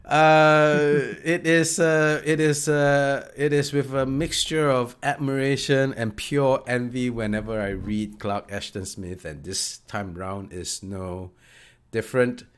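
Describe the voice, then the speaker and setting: His medium-pitched voice is clean in tone and fairly even, and he takes his time. Though a cold makes him slightly nasal, he chats keenly about a story as a podcast co-host discussing a book, hesitating with lots of fillers.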